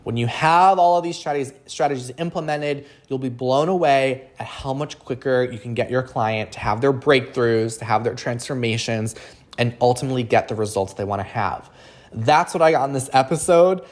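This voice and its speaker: A man's voice: mid-range voice, normal speed. A man hosting a podcast, teaching in an instructive, emphatic way and repeating key phrases. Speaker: podcast host and coaching academy founder.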